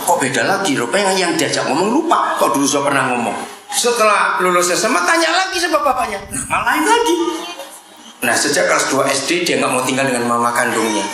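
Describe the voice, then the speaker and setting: A man's voice: fairly high pitch, heavy reverb, low-quality recording. A male pastor preaching a sermon, telling a story and acting out the dialogue, often turning to address the congregation directly. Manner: animated, acts out quoted dialogue, addresses audience as "Saudara".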